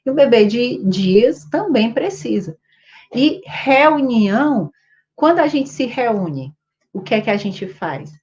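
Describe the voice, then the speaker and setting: A woman teaching parents about baby sleep in a casual talk to camera, pausing often on fillers and checking that listeners follow. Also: very animated, a little mellow. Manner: many hesitant fillers, rhetorical checks with listeners; sing-song high voice when soothing a baby. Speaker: infant sleep educator. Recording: dull lo-fi audio.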